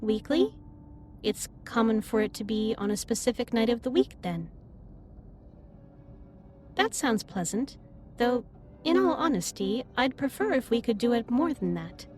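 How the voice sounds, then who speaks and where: A woman playing a gentle, earnest female alien starship captain in an audio roleplay, speaking in formal, precise sentences straight to the listener. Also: a little high, very animated, a little slow, long pauses. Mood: content, earnest. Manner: formal, precise, slightly stilted wording.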